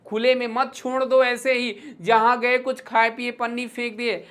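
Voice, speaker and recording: A woman teacher with an Indian accent giving an online exam-prep lesson. She mixes Hindi and English, calls her students "beta", and reads English verse slowly in a rhythmic recital. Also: a little high, level tone, fairly bright tone.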